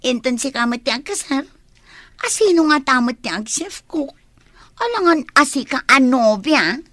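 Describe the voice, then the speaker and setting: A teasing young Ilocano friend. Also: female voice, high-pitched, sing-song, normal speed, a bit bright, no room sound, full character voice. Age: young adult. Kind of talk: radio drama acting.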